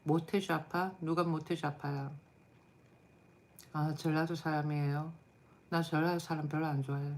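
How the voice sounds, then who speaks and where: Blunt low-voiced woman streamer chatting. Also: fairly even intonation, a little slow, pauses often, darkish tone. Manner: blunt, chatty, answers chat comments aloud. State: tired. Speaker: live stream host. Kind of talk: casual live chat with viewers.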